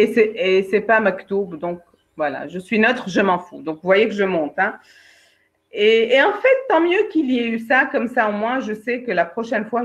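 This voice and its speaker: A woman, a career coach and trainer giving a lively webinar talk, speaking straight to her participants and acting out her examples. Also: mid-range voice. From Algeria. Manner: lively, addresses participants directly, acts out examples. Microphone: video call. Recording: dull lo-fi online webinar audio.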